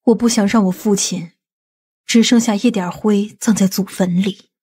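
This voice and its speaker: A woman playing a composed, scheming aunt in an audiobook, measured and authoritative. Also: medium pitch, fairly even intonation, dark tone, slightly rough. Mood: grave, secretive. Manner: measured, matter-of-fact, authoritative. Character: composed, commanding, scheming aunt of a powerful family.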